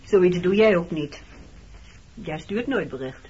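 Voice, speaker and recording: A woman's voice: lowish voice, lively intonation, takes it slowly, dark tone. Terse guarded woman in her thirties, pointed remarks, radio play dialogue, muffled lo-fi sound, background noise. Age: 30s. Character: slim woman in her early thirties, guarded, pointed toward an old flame. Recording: dull lo-fi radio recording, clear noise.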